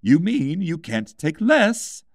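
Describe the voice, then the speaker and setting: A man's voice: on the high side, wildly swooping pitch, slow, no room sound, clean studio sound, pitched above the performer's own voice, heavily acted. A man voicing a mad, contrary storybook hatter who speaks in an emphatic, pedantic way. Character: mad, contrary male tea-party hatter, riddling.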